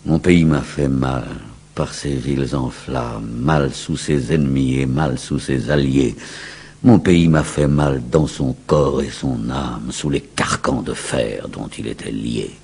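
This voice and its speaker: A man reciting verse in a grave, declamatory, solemn dramatic style with a husky voice. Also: extremely low pitch, takes it slowly, a little mellow. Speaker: poetry reciter.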